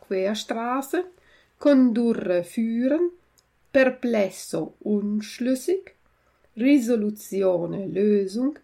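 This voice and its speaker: Slow, gravelly woman reading aloud. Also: medium pitch, mellow. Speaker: language teacher reading a story aloud. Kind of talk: slow storybook reading with vocabulary glossary.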